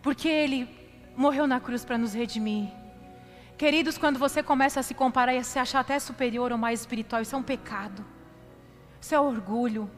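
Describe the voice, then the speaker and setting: A high-pitched woman pastor preaching in a church hall, her voice ringing with a long reverb while faint music plays underneath. She tells her story in an animated, confessional way, teasing herself and turning to the congregation again and again. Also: a little fast. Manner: animated, confessional and self-mocking, talks directly to the congregation. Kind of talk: sermon with personal storytelling.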